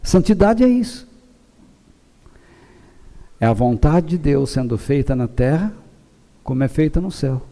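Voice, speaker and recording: Impassioned preaching Brazilian man, high voice. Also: unhurried, long pauses. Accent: Brazilian Portuguese. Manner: impassioned, shouting at peaks then dropping low and calm. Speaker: pastor. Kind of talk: passionate sermon.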